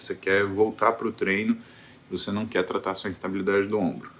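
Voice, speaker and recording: A man speaks at a fairly low pitch. He is soft-spoken. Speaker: doctor hosting a live Q&A. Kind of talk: live Q&A stream. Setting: livestream. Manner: conversational. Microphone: no headset, quiet voice pickup.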